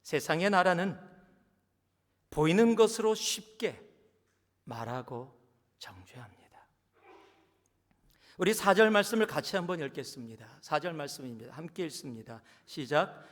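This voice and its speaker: Emphatic pastor preaching. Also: male voice, on the high side, lively intonation, fairly bright tone. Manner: emphatic, slows and drops to a whisper for emphasis. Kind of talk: sermon. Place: church sanctuary. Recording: long church hall reverb.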